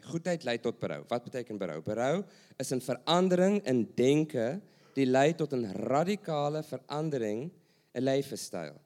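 Slow-paced male preacher. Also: medium pitch, darkish tone. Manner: asks rhetorical questions and repeats phrases for emphasis. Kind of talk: sermon.

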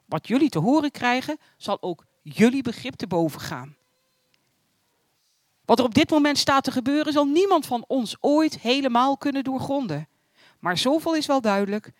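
A reader voicing a hushed, reverent angel. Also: mid-range voice, no room sound, clean studio sound, close to an everyday voice. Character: male angel messenger, reverent and awed.

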